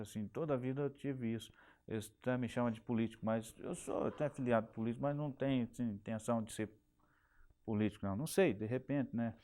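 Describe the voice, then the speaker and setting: A man's voice: mid-range voice, a little mellow. Hesitant Brazilian man from Minas Gerais. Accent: Brazilian Portuguese, Minas Gerais. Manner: hesitant, repeats and restarts words. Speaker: interviewee, telephone company technician. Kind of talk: oral history interview.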